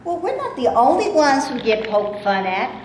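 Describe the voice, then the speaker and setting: An actress in a staged reading playing a skeptical, sardonic Black actress from the 1930s. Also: female voice, sits high, sing-song, moderate pace, darkish tone. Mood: wry. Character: Black actress of the 1930s, wary, wry and outspoken. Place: stage before a live audience. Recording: very echoey room, faint noise.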